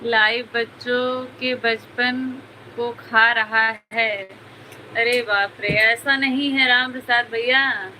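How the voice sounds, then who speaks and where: A woman's voice: on the high side, sharp tone. A woman hosting a casual live stream from home, chatting with viewers and greeting them by name. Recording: noisy home ambience behind the voice.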